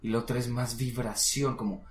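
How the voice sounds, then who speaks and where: Mexican man, mid-pitched voice, encouraging tutor, echoey room. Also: flat delivery, moderate pace. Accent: Mexican Spanish. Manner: patient, encouraging, checks in with "¿va?". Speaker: English teacher. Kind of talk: casual one-on-one lesson. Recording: roomy echo.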